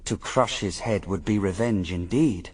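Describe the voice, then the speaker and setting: An actor playing an anguished but reasoning husband, speaking formal verse gravely in a classical radio drama. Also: male voice, fairly low pitch, measured pace, far from the mic. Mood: grave, urging. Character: Adam, the first man, anguished yet reasoning husband.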